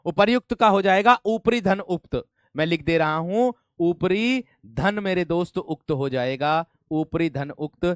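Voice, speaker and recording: A man teaches an online grammar class, explaining step by step and often calling his students friends and brave ones. His voice is high, smooth, and a little slow, in a dry, clean studio recording.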